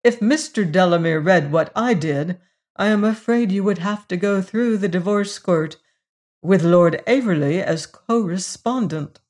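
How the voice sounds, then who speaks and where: A woman's voice: medium pitch, a little slow, darkish tone, close to an everyday voice. Woman playing a grave, proud young gypsy woman. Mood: grave, firm. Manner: curt, grave, self-controlled.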